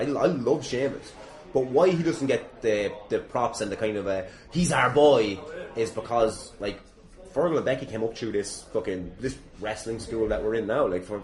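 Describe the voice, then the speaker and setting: A man's voice: mid-range voice, a little mellow. An Irish man hosting a podcast in casual conversation, emphatic and swearing freely, recorded in an echoey room. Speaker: podcast host.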